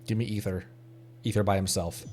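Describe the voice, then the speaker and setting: A man's voice: lowish voice, steady tone, a little fast, a little mellow, soft background music. A young adult man streaming a game, giving casual, rambling commentary with frequent giggles.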